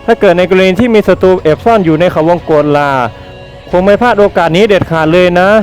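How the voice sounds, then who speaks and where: A man's voice: sits high, fast, a little mellow, faint music behind, close to an everyday voice. A man reading a web novel aloud, voicing a wry, easygoing male slime demon lord who muses and pokes fun at himself. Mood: musing. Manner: musing, self-mocking inner talk.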